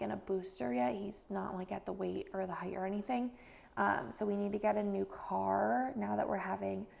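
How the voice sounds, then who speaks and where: A young woman rambles through a casual vlog voice-over, full of fillers. Her voice is heavily fried and gravelly, and her pitch stays flat. She sounds a little stuffy and congested. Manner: chatty and rambling, many fillers. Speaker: planner vlogger.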